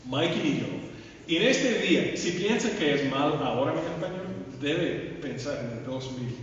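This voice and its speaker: A man preaching a sermon in halting Spanish as a second language, with English fillers slipping in, in a church sanctuary. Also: on the high side, animated, slight background noise. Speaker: pastor. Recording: echoey, distant, muffled church livestream.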